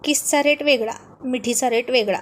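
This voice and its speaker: A woman's voice: high voice, normal speed, slight background noise, close to an everyday voice. A woman voicing a playful young wife who coaxes and teases her husband. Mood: playful teasing. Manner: coaxing, teasing.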